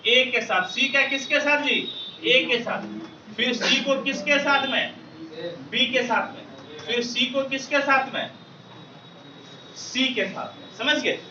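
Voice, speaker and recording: A man's voice: extremely high pitch, slow pace, long pauses, pushed and bright, a little hiss or hum. A man teaching maths to a live class, repeating each question so students call back the answers and calling them babu and beta. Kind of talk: classroom lecture with call-and-response. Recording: roomy, distant, dull classroom recording.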